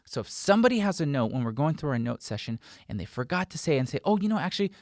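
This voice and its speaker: Higher-pitched man teaching informally, close and dry. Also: sing-song, fast, dry recording. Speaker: instructor, video host. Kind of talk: informal tutorial talk to camera. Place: small home studio, indoors. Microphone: desk microphone close in front.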